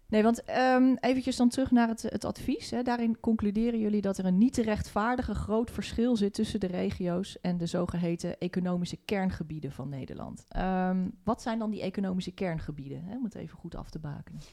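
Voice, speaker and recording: A woman with a dark, mellow tone and medium pitch talks at a fairly quick pace with lively intonation and hardly any pauses. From Utrecht province, Netherlands. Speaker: podcast host / co-host. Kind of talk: interview.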